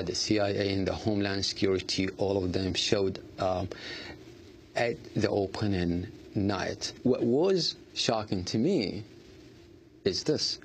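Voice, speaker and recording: A man answering interview questions earnestly, halting often with fillers and restarts. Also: on the low side, creaky, a little hiss or hum. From Iraq. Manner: halting, many fillers and restarts, non-native grammar. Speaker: artist guest.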